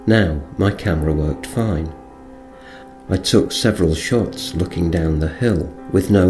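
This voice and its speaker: Man narrator, very low and dark-toned, audiobook-style first-person account, music underneath.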